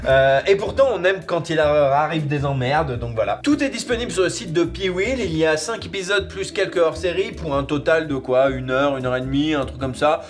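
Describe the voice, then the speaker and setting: A man's voice: on the high side, a little fast, hardly any pauses. A man hosting a casual online review, chatty, with plenty of fillers and offhand swearing. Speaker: host reviewing audio dramas.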